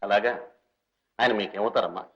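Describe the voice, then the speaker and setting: An actor playing a respectful young doctor, the devoted son of an old servant, in an old film melodrama. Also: male voice, fairly low pitch, fairly even intonation, moderate pace, fairly bright tone, lightly acted. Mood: calm inquiry. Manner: earnest, respectful and pleading. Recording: dull old film track with long reverb and faint music.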